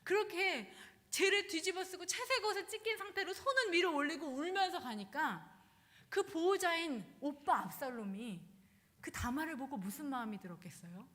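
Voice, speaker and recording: Role: woman pastor. Style: storytelling sermon. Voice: high, bright. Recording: long church reverb. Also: moderate pace. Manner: dramatic, animated storytelling.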